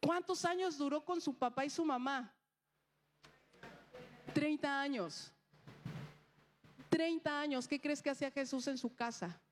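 A woman's voice: high-pitched, brisk, hardly any pauses. A woman preaching a sermon, mixing a personal story with rhetorical questions and acted-out dialogue.

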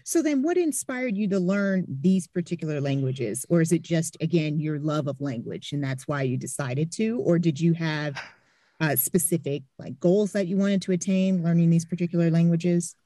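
Woman host, low-pitched, relaxed and curious, interview chat, dry recording. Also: moderate pace, no room sound. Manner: relaxed, curious, asks follow-up questions. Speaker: podcast host.

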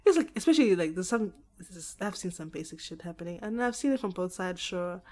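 A woman's voice: on the low side, expressive, fairly quick, mellow. A woman co-hosting a podcast in casual chat, blunt and profane, joking a lot. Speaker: podcast co-host. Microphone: pop filter studio mic.

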